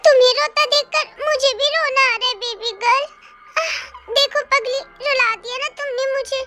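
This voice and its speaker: A performer with a high young voice plays an obsessive young man in a fan audio drama, with a creepy sing-song sweetness that drops to low threats. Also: fairly even intonation, normal speed. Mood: mock-sweet. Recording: music bed under the voice.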